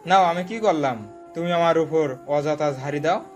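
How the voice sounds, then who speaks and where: A man's voice: fairly high pitch, normal speed, music in the background, close to an everyday voice. A man playing a young brother-in-law who keeps teasing and mocking the groom in an audio drama.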